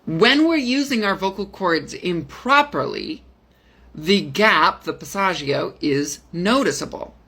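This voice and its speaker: A young woman voice coach explaining vocal technique in a casual, demonstrative way, switching into falsetto and chest voice. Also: expressive, slow, a bit bright, slightly rough. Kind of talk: explaining vocal technique simply with sung examples.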